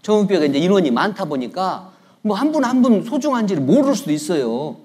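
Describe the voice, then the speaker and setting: Talking fast and very animated, the middle-aged man's high voice is a little mellow and slightly rough. As a guest pastor in a church sanctuary, he gives a conversational sermon full of jokes and stories, repeatedly calling for replies from the congregation.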